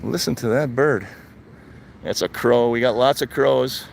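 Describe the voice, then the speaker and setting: A man's voice: medium pitch, unhurried, gravelly, slight background noise. An older man from Wisconsin, chatting casually on a live stream while walking outdoors. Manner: plain, conversational, repeats his points. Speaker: vlogger. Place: outdoors, walking in a retirement community.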